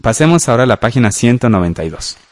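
A man, teaching a radio school language lesson in a patient, slow way and often checking in with listeners. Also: mid-range voice, very animated, noisy background.

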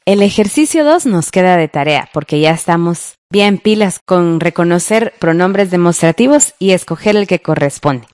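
A woman's voice: lowish voice, expressive, moderate pace, hardly any pauses, darkish tone, no room sound. Dry-sounding woman radio teacher. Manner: friendly, guiding, asks the listener to follow along. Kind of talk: scripted radio lesson.

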